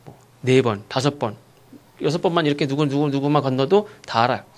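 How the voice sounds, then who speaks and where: A male pastor preaching a sermon, asking rhetorical questions and acting out sharp rebukes. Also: mid-range voice, fairly quick. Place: church sanctuary.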